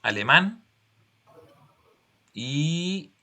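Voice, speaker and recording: Animated Chilean male teacher. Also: on the high side, very slow. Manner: patient, explanatory, uses examples and check-in questions. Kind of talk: classroom explanation.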